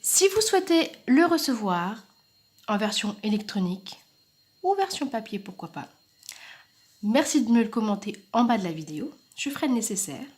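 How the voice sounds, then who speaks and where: A woman presenting craft paper products in a casual vlog, chatty and enthusiastic, often dropping into soft asides. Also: on the high side, very animated, normal speed. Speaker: independent crafting product demonstrator.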